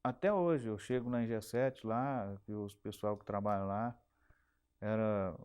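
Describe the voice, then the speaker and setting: In an oral history interview, a middle-aged former telephone company technician from Minas Gerais talks about his working years in Brazilian Portuguese. His fairly low, slightly mellow voice is unhurried and fairly even in intonation, recorded with a clean tone. He often stumbles, repeating and restarting words.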